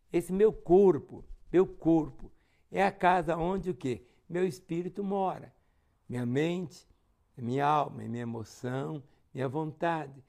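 Pausing long and often, a man speaks at a fairly slow pace in a fairly high pitch with a dark, mellow tone and ordinary pitch variation. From Brazil, Minas Gerais (Belo Horizonte). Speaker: pastor. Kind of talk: sermon.

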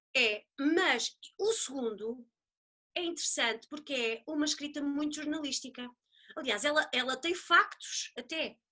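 A woman's raised, projected voice, high in pitch and bright and sharp in tone, with lively intonation. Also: fairly slow pace. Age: 30s. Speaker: book blogger. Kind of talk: casual chat. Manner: halting.

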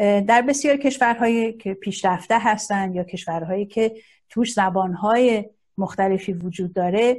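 A somewhat breathy woman's voice with an Azerbaijani accent. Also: medium pitch for a woman, ordinary pitch variation, moderate pace. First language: Azerbaijani Turkish (speaking Persian). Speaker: language commentator. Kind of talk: talk to camera.

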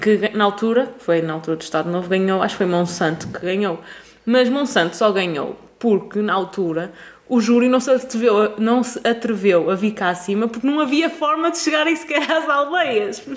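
With a European Portuguese accent, a woman talks at a moderate pace in a fairly high pitch that swings very widely. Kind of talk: casual chat.

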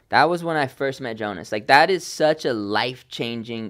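With an American accent, a man speaks at a moderate pace in a fairly high pitch, his tone animated and his intonation lively. The recording is very clean, with a silent background. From California. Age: 30s. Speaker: podcast host and real estate agent, here interviewed as guest. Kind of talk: interview, telling life story.

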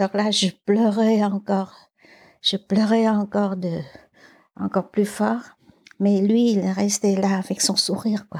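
A woman with a Vietnamese accent talks at a very slow pace with long, frequent pauses. Her pitch is medium and her intonation fairly even. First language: Vietnamese (speaking French). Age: 70s. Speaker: activist, war veteran. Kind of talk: interview testimony. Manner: halting.

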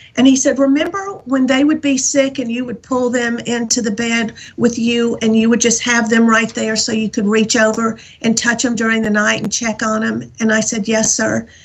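A woman with an American accent, fairly high pitch, fairly even intonation and a moderate pace, hardly any pauses, over noticeable background noise. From US South. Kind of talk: radio interview, personal testimony.

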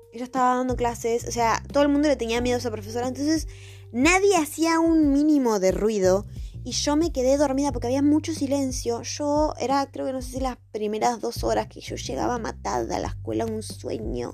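A woman speaks with a Rioplatense accent at a fairly quick pace. Music runs in the background. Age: 20s. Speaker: podcaster. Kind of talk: personal storytelling monologue.

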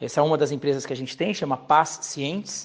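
The man has an ordinary speaking voice, a fairly high pitch and a fairly quick pace. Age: 40s. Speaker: actor and former TV puppet performer. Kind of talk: interview.

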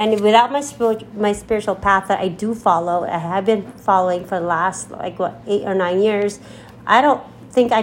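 Her pitch varies in an ordinary way as this woman speaks at a moderate pace. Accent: Filipino. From Philippines. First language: Filipino language. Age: 40s. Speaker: podcast co-host. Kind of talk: casual chat. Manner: animated.

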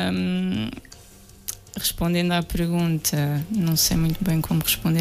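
A woman is speaking at a moderate pace. Music can be heard behind her. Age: 20s. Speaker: artist and architecture graduate. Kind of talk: radio interview. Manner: hesitant.

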